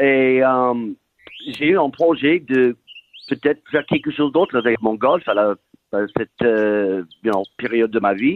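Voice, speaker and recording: A man's medium-pitched voice at a fairly slow pace, with very even loudness, ordinary pitch variation and long, frequent pauses. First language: English (speaking French). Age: 50s. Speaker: amateur golfer, listener. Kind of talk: casual chat.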